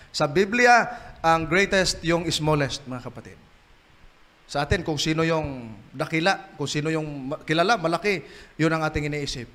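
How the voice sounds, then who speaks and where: A male preacher from the Philippines giving a church sermon, telling stories and building to loud, emphatic peaks. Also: fairly high pitch.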